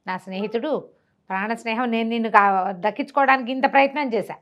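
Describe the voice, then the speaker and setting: A woman's voice: a little high, quick pace, fairly bright tone, natural voice. A woman storyteller voicing an earnest, loyal man who insistently argues his case. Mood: pleading.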